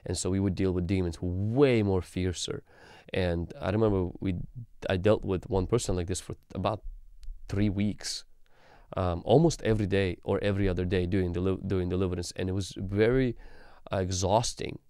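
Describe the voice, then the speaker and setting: A man in his thirties, a pastor, teaching calmly on a livestream into a studio mic in a small room, with frequent ums. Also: sits low, moderate pace, clear, resonant tone, no echo. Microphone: studio mic on boom arm.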